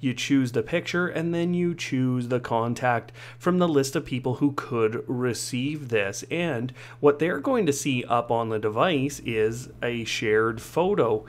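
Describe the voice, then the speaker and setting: A man in his thirties explaining tech updates to camera as a channel host. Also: medium pitch. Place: small indoor studio room.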